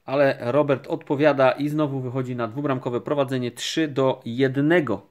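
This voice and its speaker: A man giving calm, unhurried commentary while opening sticker packs, naming each card as it appears. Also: medium pitch. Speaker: card collecting vlogger. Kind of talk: casual pack-opening commentary. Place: indoors at a table, camera overhead on hands.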